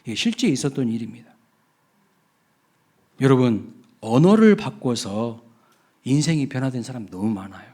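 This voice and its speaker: A man's voice: mid-range voice, expressive, normal speed, pauses often, darkish tone. A man, a pastor, preaching a Children's Sunday sermon in church, telling stories and asking the congregation questions. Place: church sanctuary.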